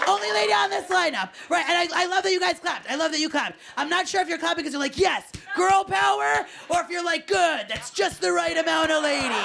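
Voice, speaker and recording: Over noticeable background noise, a woman talks at a very fast pace in an extremely high pitch with very wide pitch swings. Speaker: comedian. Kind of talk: stand-up; casual chat.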